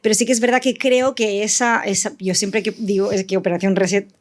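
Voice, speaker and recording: Woman writer chatting on a panel, informal, mid pitch, jumps in a lot. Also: fairly even intonation, a little fast. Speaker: audio fiction writer, panelist. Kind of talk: casual panel discussion. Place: live panel event with several speakers.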